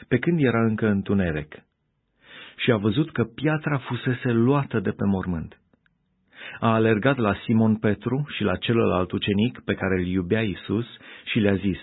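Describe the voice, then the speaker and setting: A man reading scripture aloud in a steady, unhurried narration. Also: fairly low pitch, husky. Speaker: scripture reader. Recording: tinny phone-like audio.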